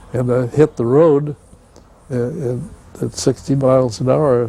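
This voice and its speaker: With an American accent, a man talks fairly slowly at medium pitch with ordinary pitch variation, over noticeable background noise. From Sonoma County, California. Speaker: rancher and car dealer. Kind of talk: oral history interview answer.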